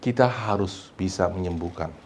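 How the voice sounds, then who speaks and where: A man preaching a church sermon, mixing English phrases into his talk and swinging between loud, high emphasis and low, quiet asides. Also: normal speed, a little hiss or hum. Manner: mixes English phrases into preaching, repeats "saudara" and "amin". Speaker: pastor.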